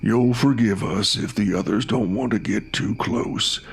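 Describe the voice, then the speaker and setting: A man voicing a calm, burly hill man with a thick, flat rural American country accent. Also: on the low side, unhurried, vocal fry, faint music behind. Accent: rural American country drawl. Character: gruff hillbilly man, calm, deadpan, heavyset.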